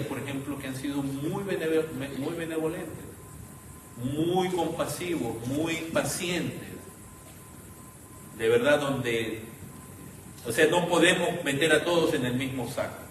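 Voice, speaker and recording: A man's voice: medium pitch, a bit bright. A man preaching a sermon in an earnest, pleading way, often calling his listeners brothers. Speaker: pastor. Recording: echoey room, voice from some distance, faint hiss.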